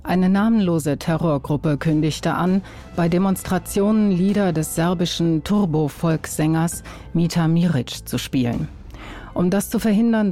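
A woman playing a formal, deadpan newsreader in a satirical scripted radio bulletin. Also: sits low.

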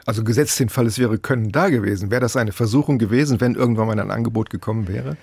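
A man's voice: lowish voice, fast, vocal fry, darkish tone, husky, no room sound. A man hosting a radio interview, asking probing, articulate questions.

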